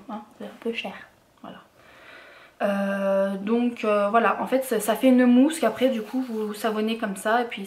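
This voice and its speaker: A woman's voice: a little high, echoey room. A woman from France, chatting casually through a shopping haul video, full of fillers and restarts. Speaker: vlogger.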